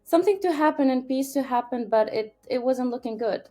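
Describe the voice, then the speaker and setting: A woman in her thirties, raised in Syria, speaking English in a fairly high voice. She tells her story earnestly and with feeling, often restarting her sentences and filling pauses. Soft music plays faintly behind her. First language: Arabic. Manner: earnest, animated, many fillers and restarts. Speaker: podcast guest. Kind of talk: conversational interview storytelling.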